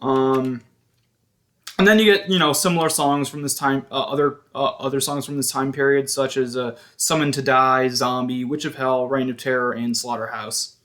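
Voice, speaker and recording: A man's voice: mid-range voice, steady tone, a bit bright. A man giving a casual, hesitant show-and-tell commentary as a collector, often stopping to correct himself. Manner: halting, hesitant, self-correcting. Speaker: music collector vlogger.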